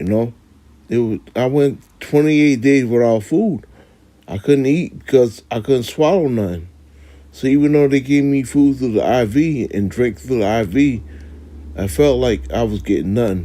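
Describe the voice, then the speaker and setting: The tone is dark and mellow. Intonation moves in a lively way. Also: man, medium pitch for a man. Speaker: religious teacher and stroke survivor. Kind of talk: testimony. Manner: slow; halting.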